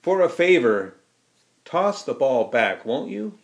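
A man's voice: mid-range voice, big pitch swings, slow pace. A man voicing a cheeky, glib young American soldier in an audiobook, with folksy slang and a wheedling way of talking.

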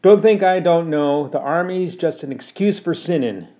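A man's voice: a little high, normal speed, pitched above the performer's own voice, natural voice. A man voicing a blunt, scolding older country mother who talks in rustic dialect. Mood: stubborn. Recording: tinny phone-like sound.

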